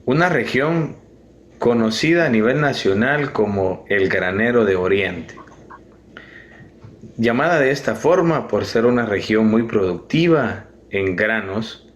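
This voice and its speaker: A young man from Guatemala with a Guatemalan Spanish accent, giving a slow, earnest prepared video statement. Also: lowish voice, muffled recording. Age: young adult. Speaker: video speaker.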